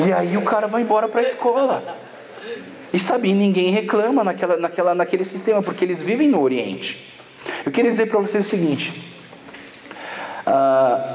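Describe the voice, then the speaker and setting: A man's voice: high-pitched, darkish tone. A male pastor with a Brazilian Portuguese accent, giving a casual, slangy sermon to young people at a camp and telling stories with acted quotes. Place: church camp hall. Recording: long hall reverb.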